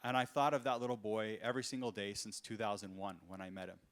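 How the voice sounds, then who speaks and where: A man's voice: lowish voice, flat delivery, fast talker, a bit bright. A man, an entrepreneur, giving an earnest conference talk full of personal stories, with frequent fillers and restarts. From United States. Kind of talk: conference keynote storytelling. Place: conference stage.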